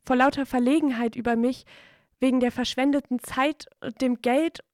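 A woman's voice: high voice, fairly even intonation, moderate pace, dry recording, studio quality, natural voice. An actress playing a distraught, mocking and reproachful woman in a radio play, speaking in a dramatic, repetitive way. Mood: bitter, reproachful. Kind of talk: experimental radio play acting.

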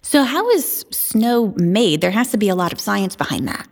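A woman hosting an interview, asking prepared questions clearly. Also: mid-range voice, very animated, normal speed. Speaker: interview host. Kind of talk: scripted host questions.

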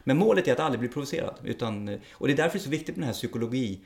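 A man's voice: mid-range voice, animated, vocal fry, a little mellow. A middle-aged man, a police officer, speaking frankly and bluntly in a casual interview, with the odd curse word. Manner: frank and blunt, plain-spoken with occasional swearing.

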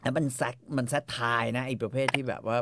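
A man chatting casually as co-host about a documentary, animated and quick to act out what people said in coarse slang. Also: mid-range voice, heavy background noise. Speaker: podcast co-host. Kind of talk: casual film review chat.

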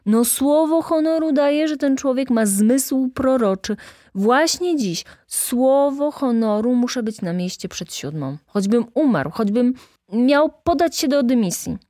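A woman's voice: high-pitched, lively intonation, unhurried, mellow, no echo, studio quality, pitched above the performer's own voice. A woman voicing a foppish young male shop clerk in an audiobook, glib and theatrical, with effusive, exaggerated politeness. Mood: mock astonishment.

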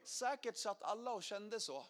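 This conversion story, told as a sermon testimony, comes from a middle-aged man with a high voice. Animated, he acts out quoted lines and moves from booming to hushed.

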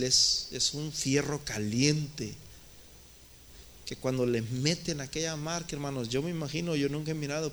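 Calling his congregation brothers, a pastor preaches a sermon in an American church, his voice rising and falling for emphasis. The voice is medium in pitch, pushed and bright, and the recording carries a little hiss or hum.

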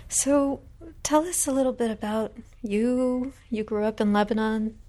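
Gentle woman interviewer. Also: a little high, fairly even intonation, a little slow. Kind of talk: interview questions.

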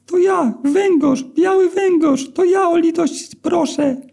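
A man voicing a squeaky, fawning magical male white eel that grants wishes, in a read-aloud story. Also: slow, creaky, dark tone, heavily acted. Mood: obliging. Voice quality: squeaky, thin little voice. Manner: fawning, obliging. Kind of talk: storytelling character voice.

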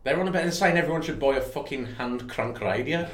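A man's voice: medium pitch, a little fast, roomy sound. Sweary man in his thirties. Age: 30s. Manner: sweary, jokey, laughs often. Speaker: podcast co-host. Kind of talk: casual banter.

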